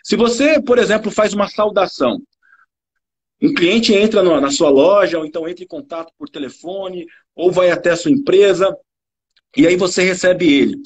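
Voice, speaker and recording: A man's voice: sits high, normal speed, husky. A Brazilian man coaching viewers on customer service, earnest and repeating key words for emphasis. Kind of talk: direct-to-camera coaching talk.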